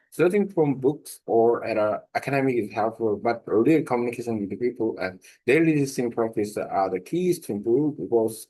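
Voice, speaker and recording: A man with a Korean accent, a native Korean speaker, reading a prepared text aloud slowly and deliberately, pausing and correcting himself as he shares his language-learning method. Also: lowish voice, warm tone, rough recording. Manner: slow, deliberate reading with pauses and self-corrections.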